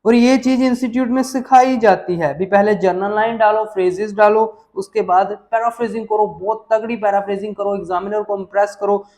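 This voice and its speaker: A man's voice: high voice, steady tone, a little fast, hardly any pauses, a little mellow. A man teaching exam essay writing, walking students through examples and repeating his warnings with emphasis. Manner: emphatic, repeats warnings, addresses viewers as kids. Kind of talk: explaining on-screen examples to students.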